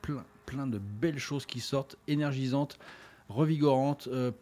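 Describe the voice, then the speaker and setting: A man's voice: mid-range voice, unhurried, mellow. A man co-hosting a casual music radio show, joking and teasing his partner. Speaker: radio co-host.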